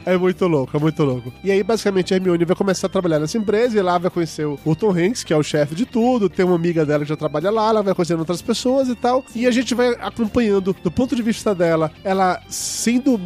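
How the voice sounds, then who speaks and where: A Brazilian man with a high voice co-hosts a casual podcast, talking loosely and teasing his co-host. Faint music sits behind him on a studio mic. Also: lively intonation, fast, hardly any pauses, a little mellow. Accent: Brazilian Portuguese. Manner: joking, teasing.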